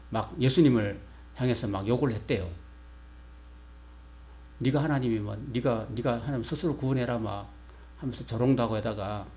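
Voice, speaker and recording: Korean pastor preaching over a low hum. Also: male voice, a little mellow. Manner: asks the congregation questions and answers them himself; leads a call-and-response with the congregation. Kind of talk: sermon.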